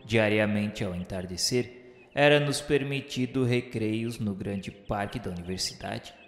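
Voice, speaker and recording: A man reading solemn, devout literary narration for a religious radio drama, in a measured, declamatory way. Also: fairly low pitch. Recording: echoey hall-like reverb with music. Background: music.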